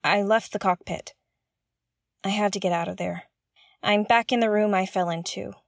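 A woman's voice: medium pitch, steady tone, normal speed, creaky, no room sound, studio quality, close to an everyday voice. Hesitant, earnest young spaceship explorer played by a woman. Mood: anxious, earnest. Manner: hesitant, self-correcting, chatty and earnest. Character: nervous, curious, earnest young woman investigating a derelict spaceship. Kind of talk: audio drama, confessional log to listeners.

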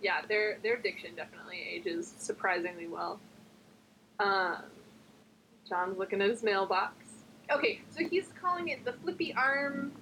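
A woman's voice: medium pitch, normal speed, pushed and bright, slight background noise, rough recording. A young woman from New Jersey co-hosting a podcast, rambling casually with lots of fillers. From New Jersey, USA. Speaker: podcast co-host. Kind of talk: casual chat.

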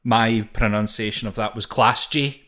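Scottish man in relaxed podcast chat. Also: on the low side, normal speed. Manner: relaxed, uses local words like "wee". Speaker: podcast co-host. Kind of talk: casual chat.

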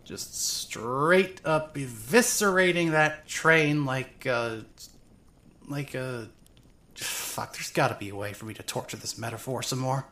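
A woman's voice: a bass voice, measured pace, fairly bright tone. A woman playing a tipsy, foul-mouthed, anxious young trans woman, narrating her thoughts in a rambling, sarcastic way for an audio drama. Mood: bitter, reckless. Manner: rambling, drunken hesitations, sarcastic swearing.

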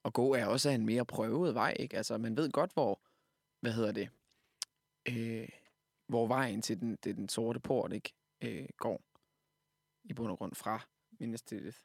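A man's voice: mid-range voice, vocal fry, long pauses, breathy edge, no echo, studio quality. A man discussing a book on a podcast, thoughtful and hesitant with many fillers.

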